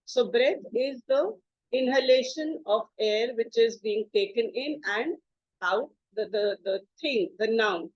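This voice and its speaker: A woman teacher giving a slide presentation on English words, explaining slowly, spelling words out and pausing on fillers. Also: a little high, dry recording, highs cut off.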